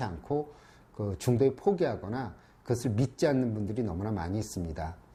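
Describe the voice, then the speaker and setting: In a room with audible echo, a man with a dark, mellow tone sounds somewhat breathy as his pitch swings very widely. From Seoul. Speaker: psychiatrist lecturer. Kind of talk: lecture. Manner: halting, many fillers.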